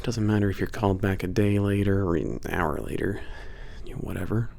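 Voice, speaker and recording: A man playing a big, gruff, teasing but secretly caring werewolf trainer in an ASMR roleplay audio drama, talking casually and sardonically with a gravelly low voice. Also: darkish tone. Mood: explaining, reassuring. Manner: casual, sardonic, hesitant pauses, frequent chuckles and swearing.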